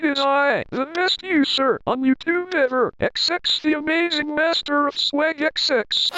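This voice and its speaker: A put-on character voice talks at a high pitch with hardly any pauses. Light background noise is present. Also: moderate pace. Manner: boastful.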